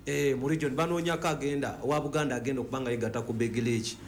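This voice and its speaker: Very fast-talking Ugandan male football pundit. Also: mid-range voice, steady tone. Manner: mixes in English words and phrases. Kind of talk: sports discussion.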